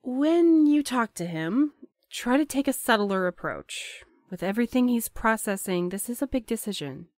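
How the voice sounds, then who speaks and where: Woman playing a hesitant, gentle romantic, dry sound. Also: fairly high pitch, expressive, moderate pace, no echo, natural voice. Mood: thoughtful. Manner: hesitant, thoughtful, awkward. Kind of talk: audio drama acting.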